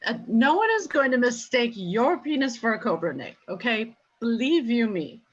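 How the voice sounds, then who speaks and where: Female reader as catty, blunt vampire: raspy, fairly high, script read on a dull connection. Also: expressive, moderate pace. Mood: dismissive. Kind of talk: table read of a film script.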